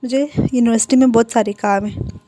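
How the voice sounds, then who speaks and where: A woman's voice: on the high side, fairly even intonation, a little fast, noisy background, lightly acted. Woman doing a grumpy teasing young man. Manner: scolding, irritable.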